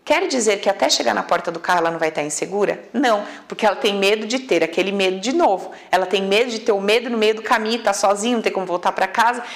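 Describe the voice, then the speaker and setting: A woman with a Brazilian accent giving a casual online lesson as an emotional coach. She talks in an animated, blunt, informal way and sometimes swears. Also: mid-range voice, fast, hardly any pauses. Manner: acts out quoted inner voices. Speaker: emotional coach teaching a method.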